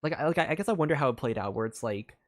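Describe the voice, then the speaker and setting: A man's voice: mid-range voice, expressive, rapid-fire. A man streaming a story game, thinking aloud in a rambling way, with many fillers and restarts. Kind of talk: casual live game commentary.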